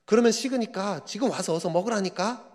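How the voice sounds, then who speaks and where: A man's voice: a little high, moderate pace, darkish tone, lightly acted. A man voicing an elderly mother who insists her son come and eat now, in an echoing church. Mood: insistent. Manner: insistent, coaxing. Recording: reverberant church hall.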